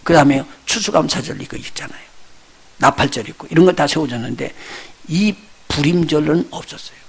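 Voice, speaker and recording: Pastor guy preaching, kinda high gravelly voice, acts out the story, keeps asking the crowd stuff. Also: fairly quick. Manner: lively storytelling, acts out the characters he retells; addresses the congregation directly with questions. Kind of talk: sermon.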